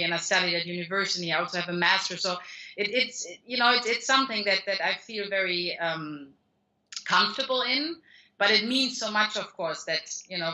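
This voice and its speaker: A woman's voice: on the low side, pushed and bright, rough recording. A woman with a German accent, a guest author talking through her career in a rambling way, with many restarts and fillers. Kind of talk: conversational interview answers.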